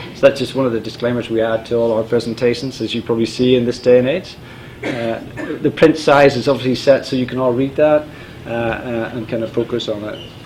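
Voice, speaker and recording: Against noticeable background noise, a man speaks fairly quickly at a medium pitch with fairly even intonation. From Ireland. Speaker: oil and gas engineering executive. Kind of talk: lecture. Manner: halting, many fillers.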